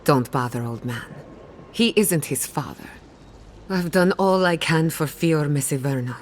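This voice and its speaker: An actress playing a proud, sharp-tongued outcast woman scholar in dramatic video game dialogue, articulate, assertive and wry. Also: sits low, expressive, a little slow, slight background noise. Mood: defiant, bitter.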